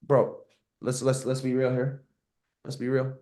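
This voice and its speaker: A man's voice: mid-range voice, completely flat delivery, a little slow, dark tone. A young man talks over a video call as a podcast guest. He is brash and profane, speaks in bursts and often repeats himself. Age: 20s. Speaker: guest, marketing agency owner. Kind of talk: casual podcast interview.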